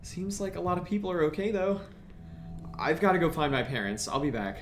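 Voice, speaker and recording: A woman's voice: on the low side, sing-song, brisk, music in the background. A woman playing a jittery, safety-minded townsperson in an audio drama, blunt and anxious. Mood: concerned.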